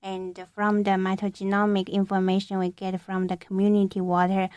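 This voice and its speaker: A woman researcher answering interview questions hesitantly, with many pauses and halting restarts. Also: mid-range voice, a little mellow, no room sound, studio quality. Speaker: researcher guest. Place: radio studio.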